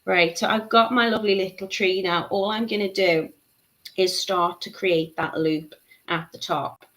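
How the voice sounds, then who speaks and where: A woman's voice: mid-range voice, fairly even intonation, normal speed, a bit bright, rough recording. A woman, giving a live craft tutorial, chatting and laughing as she reads out viewer comments. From Liverpool, England. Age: 30s. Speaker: beading tutor.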